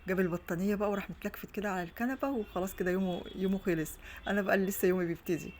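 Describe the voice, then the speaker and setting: A woman's voice: mid-range voice, very fast, darkish tone, a little hiss or hum. A middle-aged Egyptian woman and mother chatting casually through a home vlog, rambling with many restarts, recorded on a phone on a stand. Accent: Egyptian Arabic. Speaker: vlogger and mother. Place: her home, indoors.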